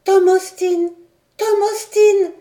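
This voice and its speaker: A woman voicing a young boy who calls out in shrill excitement during an audiobook reading. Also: slow, reverberant. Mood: excited shouting.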